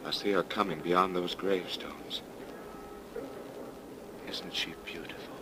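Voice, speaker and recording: A man's voice: deep voice, fairly even intonation, a little slow, noisy background. An actor playing an earnest young man with theatrical, emphatic delivery in 1930s radio drama style, on an old broadcast recording. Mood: anguished. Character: earnest, anxious young man fearing for his brother.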